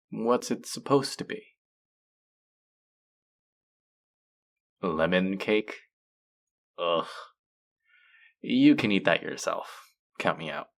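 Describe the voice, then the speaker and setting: A man's voice: sits low, fairly bright tone, full character voice. A man playing a teasing, sardonic, flirtatious male faerie in a scripted audio roleplay. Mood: haughty, disdainful. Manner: sardonic, teasing, drawling with sighs.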